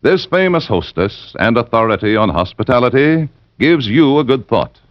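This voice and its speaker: A man delivering a persuasive old radio ad in a smooth announcer voice. His pitch moves lively up and down. The sound is dry and dull, like a 1940s broadcast. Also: normal speed, no room sound. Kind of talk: scripted radio advertisement.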